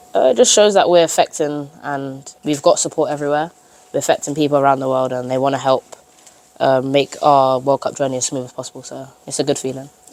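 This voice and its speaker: A woman talks at a very fast pace with an English accent. Her pitch is very deep and low, and her intonation stays fairly even. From England. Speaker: footballer. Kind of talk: press interview.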